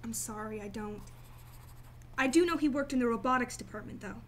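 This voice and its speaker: A woman playing a guarded, emotionally detached client in a radio drama, speaking formally and deliberately. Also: a little high, lightly acted. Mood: defensive, cool. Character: cool, detached female client, guarded murder victim's sister.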